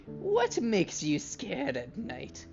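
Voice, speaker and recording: A man's voice: high voice, huge pitch swings, drawn-out words, vocal fry, a little mellow, pitched above the performer's own voice, heavily acted. A man voicing a playful young heroine who slips into a mock witch voice, teasing and theatrical. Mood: curious. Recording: muffled, game music behind.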